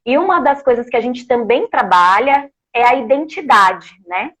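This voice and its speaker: A woman hosting a live interview, thinking aloud with frequent pauses and restarts as she frames her questions. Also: fairly high pitch, lively intonation, a bit bright. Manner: thinks aloud with many hesitations. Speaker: host.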